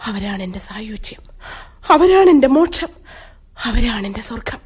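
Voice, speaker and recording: A woman's voice: a little high, sing-song, moderate pace, darkish tone, slightly rough, full character voice. A woman with a Malayali accent, playing Draupadi, a grieving and devoted young royal wife, in a pleading, earnest radio play delivery. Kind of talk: 1970s-style radio drama acting.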